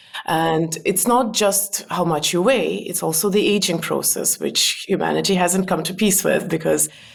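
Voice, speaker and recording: There is noticeable background noise as a woman talks with hardly any pauses. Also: moderate pace. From Soviet Union. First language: not English. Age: 40s. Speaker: author and entrepreneur. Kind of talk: podcast interview. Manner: hesitant fillers.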